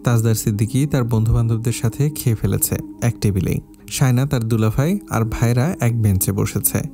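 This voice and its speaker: A man narrating an audio story in a steady, measured reading style. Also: medium pitch. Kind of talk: scripted narration. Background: faint background music.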